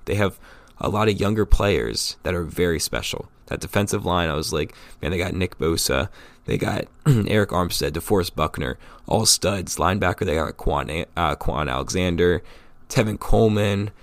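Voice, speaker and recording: A very deep, gravelly male voice, slightly raspy from a cold. He hosts a solo podcast in a casual, rambling way, with lots of ums and uhs. The sound is close and dry, with no room echo. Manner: casual, rambling, filler-heavy fan opinions. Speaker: podcast host. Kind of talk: solo sports podcast talk.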